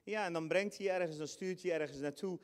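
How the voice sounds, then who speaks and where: A man preaching a lively sermon, acting out scenes with sudden high shrieks and bursts of laughter. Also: fast talker, clean tone. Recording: long hall reverb in a church.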